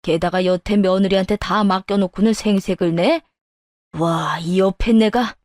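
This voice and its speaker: A stern older father-in-law berates his wife in a dry, close voice, voiced by a woman. He lectures with indignation in a middle pitch, like a scripted storybook drama. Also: steady tone, moderate pace, a little mellow, dry recording, lightly acted. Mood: furious. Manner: scolding, indignant.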